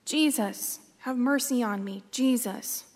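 A woman's voice: on the high side, slow pace, a little mellow. A woman storyteller voicing a desperate, devout blind beggar who calls out in repeated, imploring cries. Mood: pleading. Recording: long reverberant hall echo.

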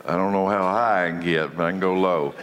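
In a large hall, a man with a congested voice teaches a church Bible study, preaching in a conversational style with frequent restarted phrases. His voice sits low and has a fairly bright tone, and he speaks a little fast.

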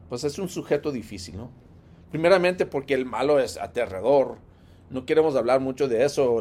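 A man preaching a sermon in an expressive way, rising loud and falling hushed, with frequent light laughs. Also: medium pitch.

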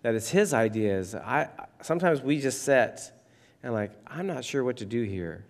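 Hoarse man preaching in a reverberant hall. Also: mid-range voice, lively intonation, moderate pace. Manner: rambling, conversational, many fillers. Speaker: pastor. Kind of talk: casual sermon.

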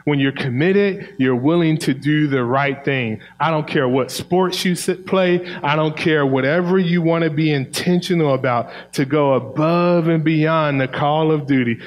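Slow, emphatic African American male preacher. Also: a little high. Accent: African American English. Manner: emphatic, repeating key phrases for effect; folksy, colloquial. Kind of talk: sermon to a congregation.

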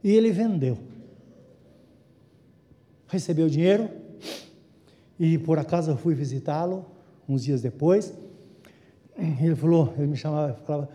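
Brazilian pastor, sixties, man, very mellow dark tone, preaching in a reverberant church. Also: on the high side, unhurried, long pauses. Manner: conversational, swings between hushed and emphatic. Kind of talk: sermon with personal storytelling.

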